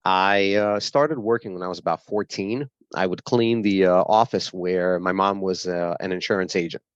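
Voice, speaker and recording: A man's voice: low-pitched, steady tone, moderate pace, clean tone, no room sound, dull audio. A man in his forties with a Brooklyn accent, telling his life story as an interview guest, with many fillers and laughs. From grew up in Brooklyn, New York. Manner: frequent fillers, laughs while telling stories.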